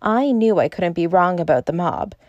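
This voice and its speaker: A woman's voice: on the low side, lively intonation, moderate pace, darkish tone, dry recording, muffled recording, close to an everyday voice. A woman reading aloud and voicing a jovial, cheerful male doctor. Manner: jovial, beaming.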